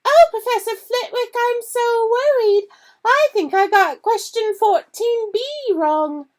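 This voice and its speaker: A woman's voice: very high voice, slow, pitched above the performer's own voice. A woman reading aloud voices a blunt, teasing teenage boy. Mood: mocking falsetto.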